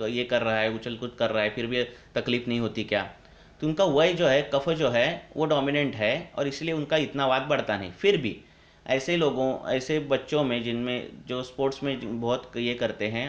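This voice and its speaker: A man explains remedies at an even, measured pace, pausing often to find his words. His voice sits at an ordinary pitch. It comes through a dull, lo-fi online call with a strong echo ringing around every phrase. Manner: measured, explaining with frequent hesitations. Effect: echoey call audio. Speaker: Ayurvedic doctor answering questions.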